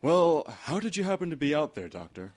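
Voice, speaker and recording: A man playing a genial radio host, announcing and pitching the sponsor in polished old-time radio style. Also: big pitch swings, a little fast, darkish tone. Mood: curious.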